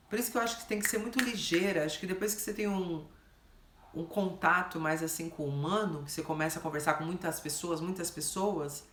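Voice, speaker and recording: A woman with a Brazilian Portuguese accent, giving casual advice as a host in an animated, chatty way and acting out quick bits of what clients say. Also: lowish voice, echoey room.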